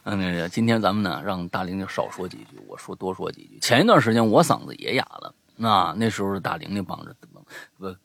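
Deep, gravelly-voiced male host. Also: animated, quick pace, a bit bright. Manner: repeats phrases for emphasis. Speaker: show host and audio storyteller. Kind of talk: casual chatty promotion of a show.

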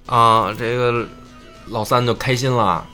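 A man's voice: mid-range voice, fairly even intonation, moderate pace, pushed and bright, soft background music. A man telling a folk tale in a chatty, joking way with asides. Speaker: storyteller. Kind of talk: casual comic storytelling.

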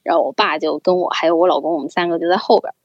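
A young woman casually telling a story as a podcast co-host, with an animated, chatty manner. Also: on the low side, rapid-fire, dry recording. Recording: slightly dull, dry recording.

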